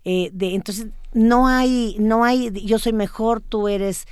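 A woman interviewing a guest, speaking haltingly and with enthusiasm. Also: fairly high pitch, steady tone, clear, resonant tone, dry recording. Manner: halting, many fillers and restarts, enthusiastic. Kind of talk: interview, hesitant chat.

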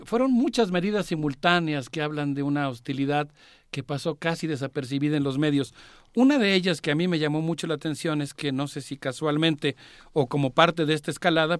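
A male radio co-host talks through world affairs in a careful, explanatory way. His voice sits somewhat high for a man and often stops on small "eh" fillers. The studio sound is dry and close. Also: no room sound. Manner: measured, explanatory, with frequent "eh" fillers.

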